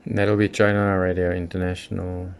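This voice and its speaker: A man giving a casual, unscripted demonstration as a hobby reviewer, thinking aloud in an unhurried way as he handles the item. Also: sits low, flat delivery, very noisy.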